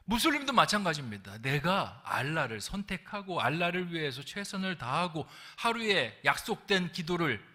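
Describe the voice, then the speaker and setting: A man's voice: fairly high pitch, very animated, normal speed, hardly any pauses, sharp tone. A male lead pastor preaching a sermon in a church, telling a funny story and asking rhetorical questions. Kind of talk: sermon with humorous anecdote. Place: church sanctuary.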